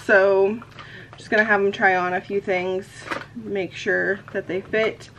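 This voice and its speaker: A woman's voice: medium pitch, flat delivery, unhurried, background noise. Chatty woman rambling to camera. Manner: rambling, chatty, many fillers; talks while putting on makeup. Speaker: vlogger. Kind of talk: casual chat to camera. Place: bedroom at home. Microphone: camera on a desk in front of her.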